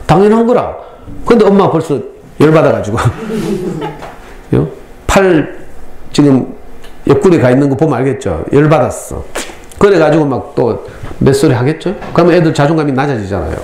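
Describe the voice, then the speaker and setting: A middle-aged man with a Gyeongsang Korean accent, giving a lively parenting lecture to school parents and acting out lines as he tells stories. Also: a little high, moderate pace, pauses often. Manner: lively storytelling, acts out lines. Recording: echoey hall, faint ambience.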